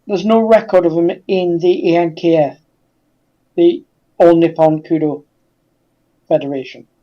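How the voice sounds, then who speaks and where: A man's voice: on the high side, steady tone, measured pace. A man speaking as a guest researcher in a casual, unscripted discussion, over dull call audio.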